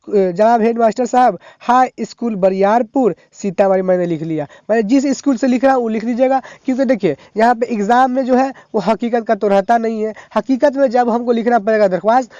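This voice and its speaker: Male tutor, high mellow voice, chatty and repetitive, lo-fi recording. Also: no echo. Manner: chatty, repeats "thik hai" and "hai na"; talks fast, stumbles over words. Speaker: teacher. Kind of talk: casual tutorial. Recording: dull lo-fi sound.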